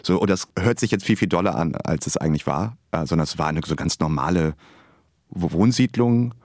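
Male guest in his forties, stutters, low-pitched, close dry studio sound. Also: expressive, a little fast, a little mellow, no echo. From Bremerhaven, Germany. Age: 40s. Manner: stuttering, reflective. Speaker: author and journalist guest. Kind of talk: radio interview.

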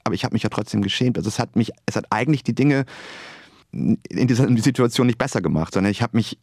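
A man's voice: fairly low pitch, fast, darkish tone, husky, dry recording, clean studio sound. A man in his forties from northern Germany, a stuttering author speaking reflectively in a radio interview. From Bremerhaven, Germany. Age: 40s. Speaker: author and journalist guest.

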